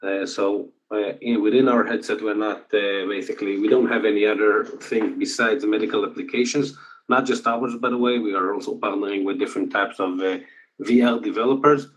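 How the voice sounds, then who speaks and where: A man with an Israeli accent giving a conference presentation remotely, speaking haltingly with many filler sounds. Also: lowish voice, steady tone. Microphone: video call. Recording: dull lo-fi video call audio.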